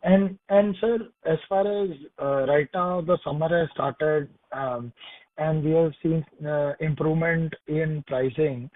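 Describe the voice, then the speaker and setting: Higher-voiced Indian man on a phone line. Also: unhurried, no room sound. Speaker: investment analyst asking questions. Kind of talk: earnings call questioning. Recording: dry, thin phone line.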